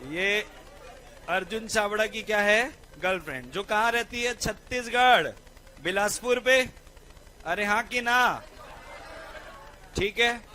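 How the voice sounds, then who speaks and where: A young male tutor with a high, bright voice that rises and falls as he explains a point of law through a story. He talks in a lively way, tossing rhetorical checks at his students, and faint ambient noise sits under the voice. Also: takes it slowly, pauses often, a faint crowd, poor audio. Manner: lively, keeps asking "right or not?". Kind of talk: lecture with a personal story.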